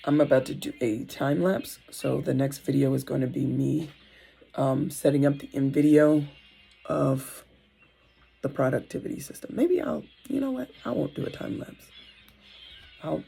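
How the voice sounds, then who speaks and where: A woman with a raspy, hoarse voice from a sore throat, rambling and thinking aloud in a casual vlog at home, filmed on a phone. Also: extremely low pitch, normal speed, warm tone, faint music behind, poor audio. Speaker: vlogger and mom entrepreneur. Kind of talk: casual talking-to-camera vlog. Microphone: phone on a tripod. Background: faint kids' show audio.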